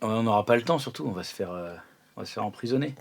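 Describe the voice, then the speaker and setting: A man's voice: fairly low pitch, animated, rapid-fire, vocal fry, a little hiss or hum. A man playing a tabletop role-playing game, chatting casually with the group.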